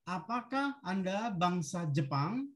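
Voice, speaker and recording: A woman teaching a language, reading short model sentences in a deliberate, instructional manner for repetition. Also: fairly low pitch, sing-song, a crowd in the background.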